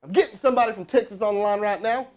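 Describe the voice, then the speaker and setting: Man, sales trainer, live-stream host, energetic, casual, slightly high voice. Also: rapid-fire. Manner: energetic, pumped-up, casual, with chatty asides. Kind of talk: hyped live-stream coaching and cold calling. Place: indoor room with crew present.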